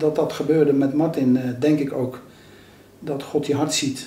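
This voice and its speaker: A man with a fairly high pitch speaks at a moderate pace in a monotone, flat way, pausing long and often, with audible room echo and noticeable background noise. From Netherlands, Katwijk (South Holland coast). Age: 60s. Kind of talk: personal faith testimony.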